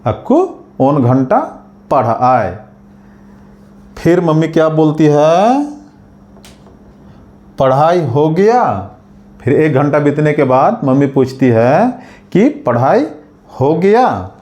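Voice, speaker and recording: A man teaches a language, sounding out each phrase slowly and repeating it so learners can follow. His voice sits a little high for a man but stays dark and mellow in tone. He talks at a very unhurried pace. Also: very animated. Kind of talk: spoken language lesson.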